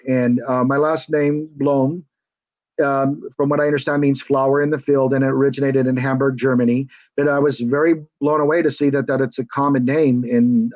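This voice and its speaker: A man's voice: mid-range voice, a little mellow, no room sound. American guy rambling on a video call, lots of ums, kinda muffled dry audio. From United States. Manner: rambling, hesitant with many fillers and restarts. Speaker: guest, former reality show contestant. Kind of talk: casual video call chat.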